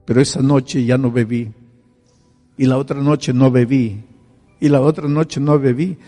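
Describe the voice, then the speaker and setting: A man's voice: medium pitch, fairly even intonation, measured pace, natural voice. A man voicing a reformed alcoholic who pleads with rising emotion, in an echoey hall with faint music. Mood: pleading, emotional. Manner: impassioned, rising to near-shouts.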